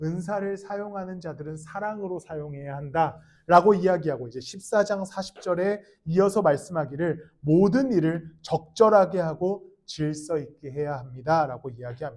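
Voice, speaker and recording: Ordinary pitch variation, big swings in loudness and hardly any pauses. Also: man, high pitch for a man. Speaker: pastor. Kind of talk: sermon. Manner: fast.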